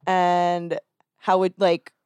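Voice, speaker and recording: A young woman with a light Texan accent hosting a casual podcast chat, playful and quick to laugh. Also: lowish voice, completely flat delivery, a little mellow, clean tone, dry recording. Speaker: podcast host.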